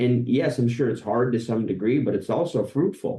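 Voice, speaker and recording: A man with a Canadian accent speaks at a moderate pace and medium pitch, his dark, mellow tone somewhat breathy and his pitch variation ordinary. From Canada. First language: Romanian. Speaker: entrepreneur. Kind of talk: interview.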